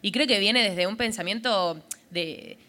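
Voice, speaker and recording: A woman's voice: mid-range voice, a little slow, pushed and bright. A woman with a Rioplatense accent hosting a live podcast on a festival stage, talking in a rambling way full of fillers. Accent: Rioplatense Spanish. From Argentina. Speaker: podcast host.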